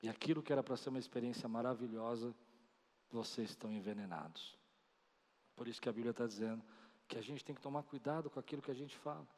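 A man with a Brazilian accent preaching a sermon, repeating phrases and often dropping his voice low and soft. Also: fast talker. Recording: long hall reverb.

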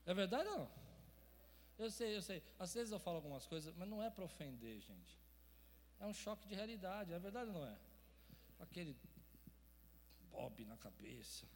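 A man preaching a sermon to his congregation, asking them for responses, going from quiet talk to loud shouts. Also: sits high, lively intonation, fairly quick, pauses often, a little hiss or hum. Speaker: pastor. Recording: reverberant church hall.

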